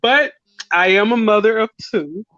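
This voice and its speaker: Bright woman in her thirties on a dull line. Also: mid-range voice, lively intonation, moderate pace. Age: 30s. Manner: open, talks freely about her family. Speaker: livestream guest. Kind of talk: casual chat.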